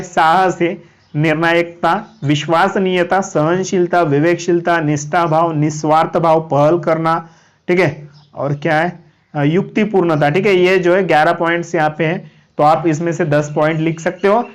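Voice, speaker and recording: A man's voice: on the high side, steady tone, normal speed. A man coaching students in a live online class, chatty and repetitive, listing points one by one. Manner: chatty, repetitive, keeps saying "okay"; lists items one by one like reading notes. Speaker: online tutor for cadet exams. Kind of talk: live-stream exam coaching and course pitch.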